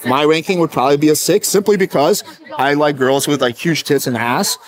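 A young man from Russia, running a casual street interview at night on a city sidewalk, teasing and joking with a handheld mic. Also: on the high side. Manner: joking, teasing, fast talker. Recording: crowded street noise. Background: crowd chatter.

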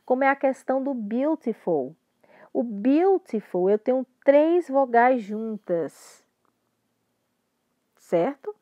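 A woman's voice: high voice, animated, slow, pauses often, dry recording, muffled recording. Patient Brazilian woman teaching grammar. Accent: Brazilian Portuguese. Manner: patient, repeats and checks understanding. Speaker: English teacher. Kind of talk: explaining grammar.

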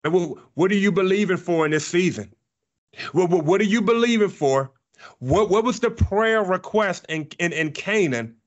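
Fervent high-voiced preacher man. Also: lively intonation, normal speed, highs cut off. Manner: fervent, repeats words when starting sentences. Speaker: pastor. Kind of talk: sermon to camera. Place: small indoor studio set with plants. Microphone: boom-mounted studio mic.

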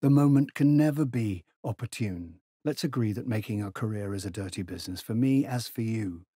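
A man voicing a contemptuous, combative English gentleman in a novel, speaking bluntly and emphatically. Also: on the low side, a little fast, breathy edge, dry recording, clean studio sound. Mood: blunt, scornful.

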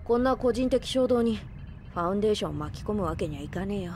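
A woman's voice: medium pitch, expressive, quick pace, darkish tone, slight background noise, natural voice. A woman playing a brash, boyish young male leader. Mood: resolute. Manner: blunt, rough masculine speech. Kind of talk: Japanese audio drama acting. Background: background music.

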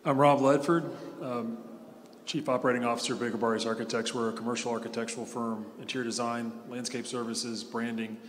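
Male panelist, relaxed, distant off-mic sound, reverberant hall. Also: mid-range voice, fairly quick, slight background noise. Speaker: architecture firm executive, panelist. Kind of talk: conference panel introduction.

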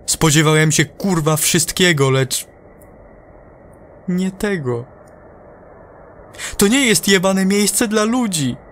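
A man's voice: high voice, animated, slow, pauses often, a bit bright, a little hiss or hum, pitched above the performer's own voice, full character voice. A man playing a desperate, foul-mouthed astronaut breaking down in an audio drama report, swearing and pleading. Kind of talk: horror audio drama acting.

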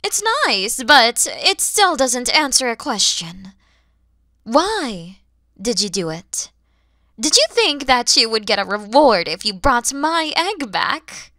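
A woman playing a kind, proud, mature dragon mother in an ASMR roleplay, with breathy delivery that often softens toward whispers and theatrical pauses. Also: on the high side, big pitch swings, no echo, studio quality, exaggerated voice. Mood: incredulous, questioning.

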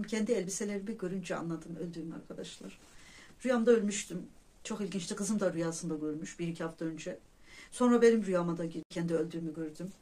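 A woman's voice: mid-range voice, a little hiss or hum. Earnest woman vlogger telling her dreams. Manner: earnest, often addresses listeners as friends; reflective storytelling with pious phrases. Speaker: vlogger sharing dreams and religious reflections. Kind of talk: casual personal monologue to viewers.

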